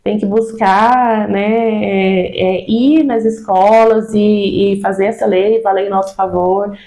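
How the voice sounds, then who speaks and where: A woman's voice: mid-range voice, steady tone, slow, warm tone. A Brazilian woman speaking about children's ministry in an earnest, insistent way, often adding "né". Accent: Brazilian Portuguese. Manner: earnest, repeats words and tags with "né". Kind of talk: casual interview conversation.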